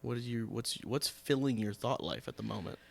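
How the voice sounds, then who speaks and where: Casual male podcast host with creaky voice. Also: medium pitch. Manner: informal, halting, self-interrupting. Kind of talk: casual interview chat.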